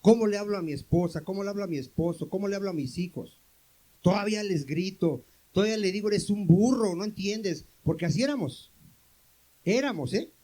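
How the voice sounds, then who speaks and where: Male pastor, high voice, questions-and-answers sermon style with calls for amens. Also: brisk, dark tone, poor audio. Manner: questions the congregation and answers himself.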